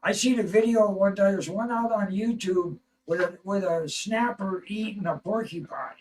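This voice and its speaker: A man with a high voice co-hosting a casual livestream, speaking in a blunt, matter-of-fact way. He is heard from a distance, with faint noise in the background. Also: moderate pace, a little mellow. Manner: blunt and matter-of-fact, adds short remarks and corrections.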